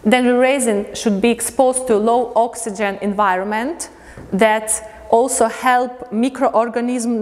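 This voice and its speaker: A woman's voice: mid-range voice, a little mellow. Woman lecturing in a reverberant hall. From Riga, Latvia. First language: not English. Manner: halting, pausing to find words. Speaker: artist giving a lecture. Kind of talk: prepared lecture in non-native English. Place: indoor museum lecture space.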